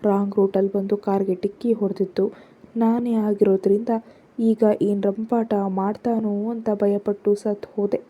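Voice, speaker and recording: A woman narrating a first-person family drama story in a soft, hushed storytelling voice. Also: medium pitch, little pitch movement, normal speed, husky, highs cut off.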